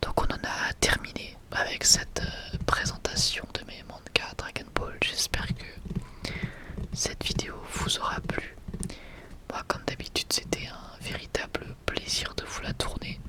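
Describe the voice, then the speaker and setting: A young adult man whispers in a casual, enthusiastic ASMR style, sometimes hesitating as he presents. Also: unhurried. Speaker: ASMR video creator presenting a manga collection.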